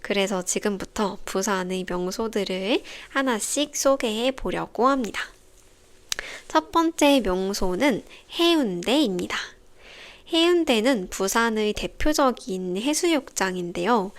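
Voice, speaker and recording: Young woman, podcast host, learner-friendly narration, clear, calm, steady, mid-range voice. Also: mid-range voice. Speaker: Korean teacher podcast host. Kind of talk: slow scripted explainer for learners.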